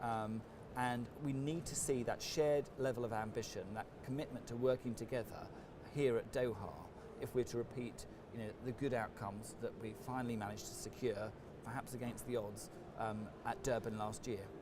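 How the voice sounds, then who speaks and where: A man speaks with fairly even intonation at a moderate pace while noticeable background noise plays behind him. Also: medium pitch for a man. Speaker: government minister. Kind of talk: interview answer. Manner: hesitant, filler-heavy.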